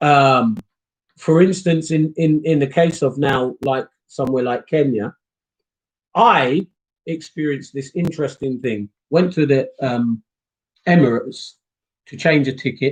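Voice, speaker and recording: Somewhat breathy and fairly high-pitched, a man talks at a fairly slow pace with long, frequent pauses and ordinary pitch variation. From Jamaica. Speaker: bishop. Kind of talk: casual chat. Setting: live stream. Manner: animated.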